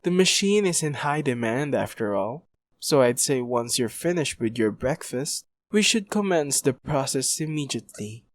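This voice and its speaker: A man's voice: medium pitch, lively intonation, normal speed, natural voice. A man playing a formal, pompous doctor in an audio roleplay, speaking in long-worded clinical phrases. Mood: assured, formal. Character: formal, pompous male doctor, smoothly evasive scientist. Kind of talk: ASMR audio roleplay acting.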